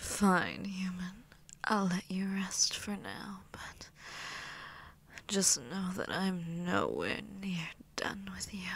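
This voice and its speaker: Soft-spoken and very slow, the voice comes through dry with no echo, broken by long, frequent pauses. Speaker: voice actor playing a vampire. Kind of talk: roleplay character performance. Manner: soft, close ASMR character voice.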